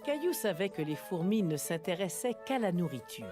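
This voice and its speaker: A woman narrating a children's cartoon as a gentle storyteller, in scripted narration. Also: on the low side, sing-song, moderate pace, music in the background. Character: gentle storyteller narrating a small boy's day.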